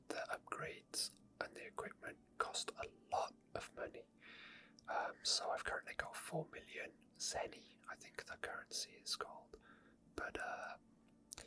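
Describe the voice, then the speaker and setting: Unscripted and whispered, the commentary follows gameplay in a relaxed, breathy way. It's from a gaming ASMR creator who talks through their thoughts softly.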